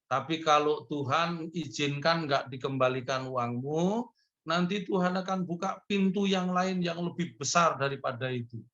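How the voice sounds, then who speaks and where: A man's voice: moderate pace, a bit bright, dull audio. A male pastor, preaching through stories and acting out the people in them with a raised voice. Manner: storytelling, acts out a man pleading in a high voice. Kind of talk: sermon over video call.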